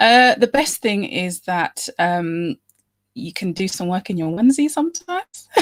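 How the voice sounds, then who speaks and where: A London accent with very wide pitch swings, in a dry, close sound with no echo. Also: woman, medium pitch for a woman, moderate pace. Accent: London twang. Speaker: guest interviewee. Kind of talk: casual interview.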